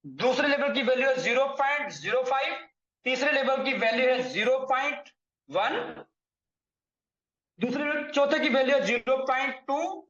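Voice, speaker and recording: A man with a very high-pitched, fairly bright voice and lively intonation presents an earning plan to viewers at a normal speed. He keeps calling them friends and corrects his own figures as he goes, in an echoey room with dull, lo-fi sound.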